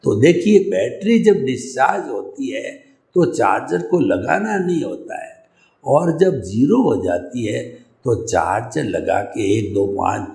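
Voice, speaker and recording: Slow, gravelly-voiced man giving a spiritual talk. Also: medium pitch, sing-song, a little mellow, reverberant. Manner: slow, deliberate explaining with English words mixed in. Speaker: spiritual teacher. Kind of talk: spiritual lecture.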